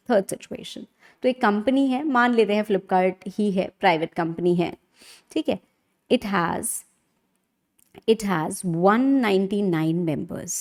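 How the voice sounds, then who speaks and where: An Indian woman lecturing conversationally as a law teacher, often asking questions and answering them herself in an animated teacherly way. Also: a little high. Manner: animated teacherly, asks and answers own questions, frequent check-ins. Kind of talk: conversational online lecture in mixed Hindi and English.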